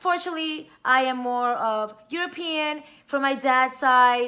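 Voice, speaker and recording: Raising and projecting her voice, a woman speaks very slowly with a high pitch, a bright, sharp tone and ordinary pitch variation. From New York. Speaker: beauty vlogger. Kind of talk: product review vlog. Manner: casual, chatty with filler words.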